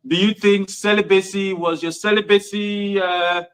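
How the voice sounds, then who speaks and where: Cameroonian man, bright, earnest tone. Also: high-pitched, little pitch movement, moderate pace, clear, resonant tone. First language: a language of Cameroon. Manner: earnest, explaining point by point. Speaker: guest. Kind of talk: casual chat.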